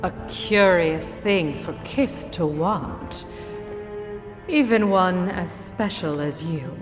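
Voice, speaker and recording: An ancient female guardian of the woods for a fantasy game. She is solemn and formal, with a low pitch and extremely slow, measured delivery. Her voice rings in a long reverb over music. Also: animated. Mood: solemn, welcoming. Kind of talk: scripted fantasy video game acting.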